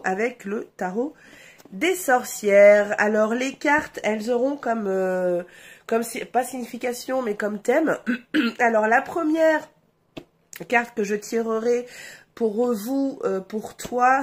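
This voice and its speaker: A woman's voice: a little high, slightly rough. A French woman with a cold and a stuffy nose, giving a casual tarot reading, hesitant with many fillers. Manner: slow, hesitant, many fillers, addresses viewers warmly as her "essentiels". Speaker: tarot reader. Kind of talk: casual tarot guidance vlog.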